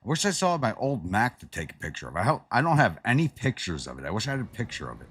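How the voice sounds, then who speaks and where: Deep-voiced middle-aged streamer, cursing. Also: male voice, fast talker, husky, no echo, studio quality. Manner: excitable, cursing at the game. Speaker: game streamer. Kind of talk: casual livestream commentary.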